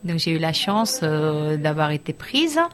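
A middle-aged woman from Barcelona, a school life counselor, answering interview questions thoughtfully, with frequent pauses and restarts. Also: low voice, very animated. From Barcelona, Spain.

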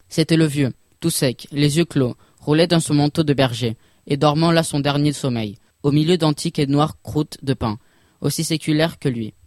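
A man narrating a classic story in a measured, literary reading voice. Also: a little high, darkish tone, no echo, clean studio sound.

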